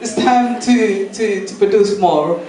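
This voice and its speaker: A young man from Malawi doing a halting, rambling stand-up set, laughing at his own jokes, recorded at a live venue. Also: high voice. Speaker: stand-up comedian. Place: live comedy venue with audience. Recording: echoey room, far from mic, crowd noise.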